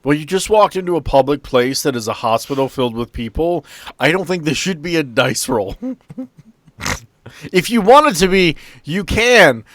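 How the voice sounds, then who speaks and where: Animated man running a tabletop game. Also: a little high, dry recording. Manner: casual, joking asides. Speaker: game master. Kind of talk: narrating a tabletop roleplaying game, improvised.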